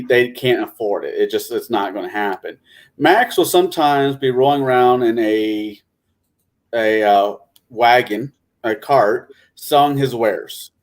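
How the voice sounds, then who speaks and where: Dude with a mid-range voice, talks slow, rambles and trips over words, just chatting about his games. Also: medium pitch. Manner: rambling, halting, stumbles and corrects himself. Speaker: game master and panelist on a tabletop gaming show. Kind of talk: casual chat.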